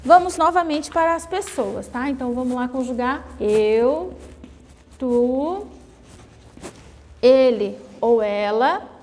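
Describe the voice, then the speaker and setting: A Brazilian woman teaches grammar to her class at an unhurried pace, often pausing to check that her students are following. Her voice sits high. The recording carries a long, lingering reverb. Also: a little mellow. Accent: Brazilian Portuguese. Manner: explains slowly, repeating and checking with "né?" and "tá?". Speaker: Portuguese teacher.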